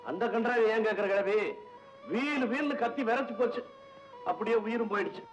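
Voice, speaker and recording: Blunt rough-spoken man. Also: very high voice, fairly quick, muffled recording, over loud music. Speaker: village father. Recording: echoey old film soundtrack.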